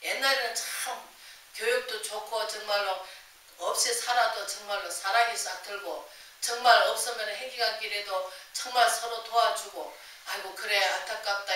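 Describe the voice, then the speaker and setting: A woman's voice: medium pitch, pushed and bright. A woman pastor preaching a sermon in a chatty style, asking rhetorical questions and acting out quoted voices. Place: church sanctuary. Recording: echoey church hall, voice from far off.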